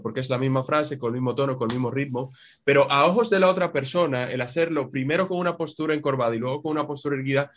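A man from Spain with a Spanish accent, a communication trainer giving measured, instructive answers in an interview over a video call. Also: mid-range voice, fairly bright tone. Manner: measured, instructive, slows down on key words.

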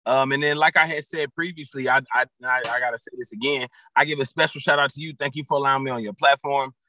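A man's voice: mid-range voice, fairly even intonation, quick pace, sharp tone, no echo, clean studio sound. A man in his thirties, a guest and football coach, talking casually on a podcast with many fillers and restarts. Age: 30s.

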